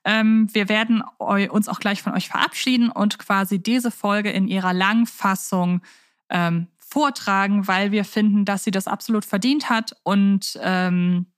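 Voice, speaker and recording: A woman's voice: mid-range voice, steady tone, unhurried, clean tone, no echo, clean studio sound. A woman hosting a podcast, talking casually and reading aloud in a conversational presenter's way. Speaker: podcast host.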